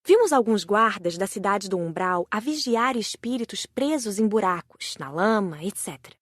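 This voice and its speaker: A woman's voice: mid-range voice, animated, moderate pace, dry recording, studio quality. A woman with a Brazilian accent reading a scripted first-person audiobook narration.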